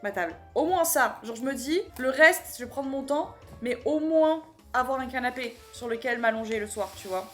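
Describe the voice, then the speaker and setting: A young woman in her twenties chats straight to camera, bubbly and teasing, pitching her voice slightly high. Soft music plays beneath her talk. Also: animated, normal speed, hardly any pauses. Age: 20s. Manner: bubbly, playful, exaggerated teasing. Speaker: vlogger. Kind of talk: casual vlog chat to camera.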